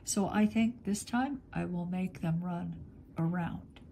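A middle-aged woman teaching clay work in her home studio, talking slowly as she thinks aloud, a little sniffly. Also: fairly low pitch, vocal fry, warm tone, slight background noise. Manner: slow, thinking aloud while working with her hands. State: sniffly, congested. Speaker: polymer clay artist teaching. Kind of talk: relaxed studio demonstration. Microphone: overhead camera on hands, speaker off screen.

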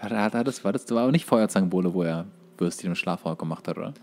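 A man's voice: sits low, expressive, very fast, darkish tone. A man, chatting casually as the co-host of a podcast. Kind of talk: casual chat between friends.

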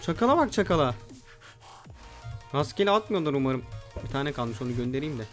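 Excitable young man commentating a game. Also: fairly high pitch, brisk, faint music behind. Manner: excitable, swears and shouts at opponents. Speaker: gaming channel host. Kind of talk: casual let's play commentary.

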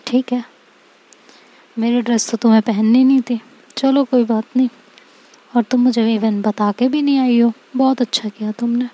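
Storyteller woman voicing a sulky young woman, stubborn, snappish retorts, higher mellow voice. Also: fairly even intonation, normal speed, pauses often, lightly acted. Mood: sulking.

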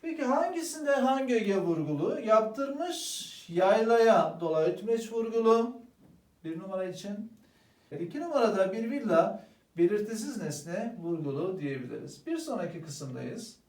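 This man, a Turkish language teacher, has a high voice and a measured pace as he delivers a grammar lesson aimed at an exam. He speaks to students as friends with "arkadaşlar," asking questions and answering them in a spirited way. The sound comes from a distance, off-mic, with room echo.

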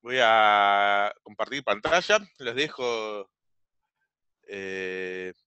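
A man in his forties with an Argentine Rioplatense accent, giving a virtual coaching class on a video call with a headset, halting with many fillers and repeated words. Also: fairly low pitch, bright, forceful tone, clear, resonant tone, dry recording, highs cut off. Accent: Rioplatense Spanish. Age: 40s. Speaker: online business coach. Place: home room on a video call.

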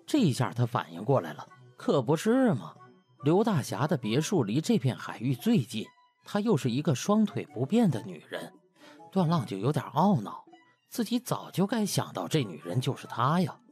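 A man's voice: mid-range voice, wildly swooping pitch, moderate pace, a little mellow, faint music behind. A man narrating a comic web-novel audiobook in a colloquial, dramatic storytelling style.

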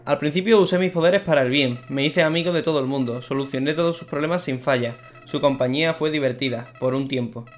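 A man's voice: on the high side, quick pace, hardly any pauses, soft background music, lightly acted. A man reading a cold, soulless talking flower. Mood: somber. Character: sinister soulless talking flower, once a boy.

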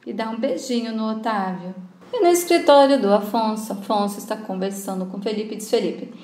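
A woman's voice: on the high side, lively intonation, fairly quick, a little mellow. A Brazilian woman retelling a soap opera episode in a plain, conversational way. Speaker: narrator. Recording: roomy echo.

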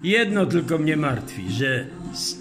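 A man's voice: on the high side, sing-song, unhurried, music in the background. Older man, genial and joking. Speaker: husband on holiday. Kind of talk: amateur radio play acting. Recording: noisy home recording.

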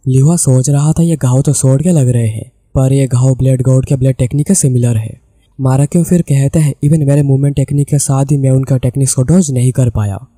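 A man with an Indian accent narrating a comic story recap, voicing the characters' lines in his own steady voice. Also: mid-range voice, fairly quick, husky, no echo. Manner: steady retelling, reads characters' lines in the same voice. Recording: dry close recording with soft background music.

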